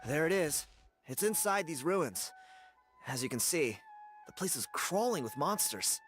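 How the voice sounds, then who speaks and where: An actor playing a friendly, upbeat young tribesman in a video game, talking warmly and enthusiastically. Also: fairly high pitch, very animated, unhurried, faint music behind. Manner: warm and enthusiastic.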